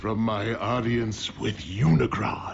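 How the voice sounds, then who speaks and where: A man puts on a cartoonish character voice at a medium pitch and a fairly slow pace, with clear background noise behind him. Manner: grandiose.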